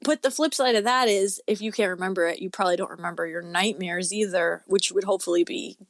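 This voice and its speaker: A woman's voice: medium pitch, fast, no echo, clean studio sound. A woman speaking as an author guest in a casual interview, chatty and rambling with self-deprecating humor.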